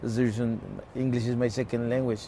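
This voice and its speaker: In conversation, a male activist guest shares a personal story in a halting way, restarting and repeating words often. A native Spanish speaker from the Mexico-California border region, he has a warm, medium-pitched voice with little pitch movement. There's slight background noise.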